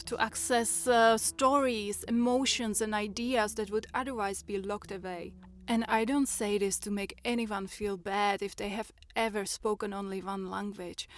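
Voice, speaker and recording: Earnest Czech-accented woman vlogger. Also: medium pitch. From Czech Republic. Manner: earnest and encouraging, with measured phrasing. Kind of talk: personal, reflective vlog talk.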